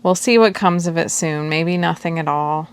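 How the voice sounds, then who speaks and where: Reserved older man with quiet steel, read by a woman, low gravelly tone, storybook. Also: moderate pace. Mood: guarded.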